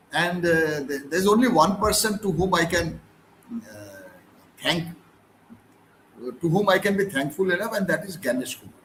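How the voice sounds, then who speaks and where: A man with a high voice talks at a moderate pace, his pitch moving in an ordinary way, with long, frequent pauses and noticeable background noise. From West Bengal, India. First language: Bengali. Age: 60s. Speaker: political commentator. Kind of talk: podcast discussion.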